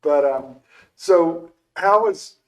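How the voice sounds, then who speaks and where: An older man hosting a relaxed interview, talking in a chatty, rambling way. His voice sits a little high for a man, and he circles back and restarts his questions. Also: extremely slow. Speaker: show host. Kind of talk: casual interview conversation.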